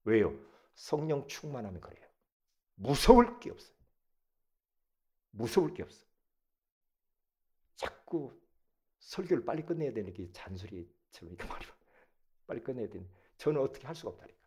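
A male pastor preaching a sermon, leading the congregation to repeat after him and swinging from quiet asides to loud exclamations. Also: mid-range voice, moderate pace, long pauses. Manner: lively, swings between soft asides and shouted exclamations; leads the congregation in call-and-response.

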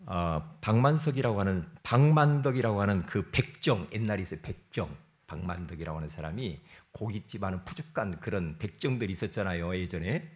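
Animated Korean man preaching a sermon. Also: a little fast, hardly any pauses. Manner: animated, swings between loud bursts and low asides. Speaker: pastor.

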